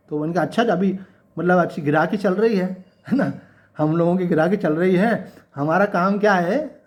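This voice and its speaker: Male swami, fairly high voice, chatty scripture sermon, asks the room questions, drawls out verses. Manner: conversational, asks the listeners rhetorical questions; recites couplets slowly and drawn out. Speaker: swami giving a Gita discourse. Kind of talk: devotional sermon.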